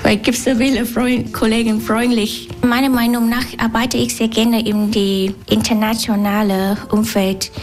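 A young woman from southern Vietnam with a Vietnamese accent, a hotel trainee answering interview questions in simple, halting German. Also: a little high, level tone, soft background music.

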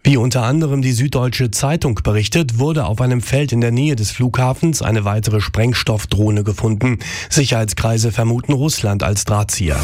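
A man reading a radio news bulletin in an even, formal way. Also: medium pitch, no room sound, clean studio sound. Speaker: newsreader.

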